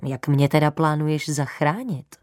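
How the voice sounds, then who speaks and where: A woman voicing a friendly, talkative adult male chimney sweep who speaks calmly and kindly. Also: sits low, no echo, studio quality, natural voice.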